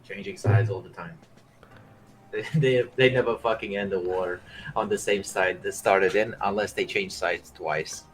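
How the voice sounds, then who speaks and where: A man from Romania, a guest in casual podcast chat, talking bluntly and profanely and quick to heat up. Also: low voice, fairly even intonation, poor audio.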